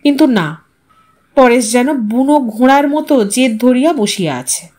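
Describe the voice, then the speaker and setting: A woman storyteller giving an expressive, literary narration of an audio story. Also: high voice, unhurried.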